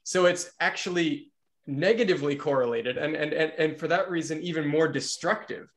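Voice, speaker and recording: A man's voice: on the high side, normal speed. A man in a casual group discussion on a video call, building his argument with many stammered restarts. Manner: stammers with repeated words while building an argument. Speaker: meetup participant.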